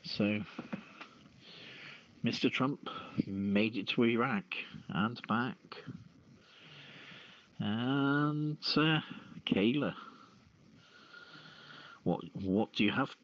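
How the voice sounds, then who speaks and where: A man hosting a radio call-in show, reading news and opening discussion in a halting delivery with stumbles. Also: medium pitch. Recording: roomy, dull lo-fi radio-style audio.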